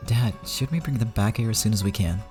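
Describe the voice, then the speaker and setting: A man's voice: fairly low pitch, fairly quick, mellow, soft background music, natural voice. A man voicing an eager, brash young man talking to his father.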